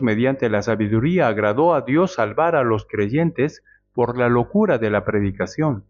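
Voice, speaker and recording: A male preacher giving a measured sermon, often asking the congregation rhetorical questions. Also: medium pitch, darkish tone. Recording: dull lo-fi sound.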